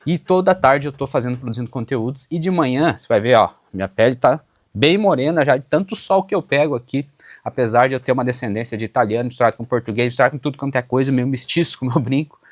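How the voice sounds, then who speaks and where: A man with a southern Brazilian accent talks at a brisk clip in a dry, close sound with no room echo. He is emphatic and colloquial, speaking straight to his online viewers like an informal video commentator. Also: medium pitch. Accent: southern Brazilian, Santa Catarina. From western Santa Catarina, southern Brazil. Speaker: YouTuber on public service exam preparation. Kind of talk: casual direct-to-camera commentary, responding to comments. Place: outdoors on a small farm.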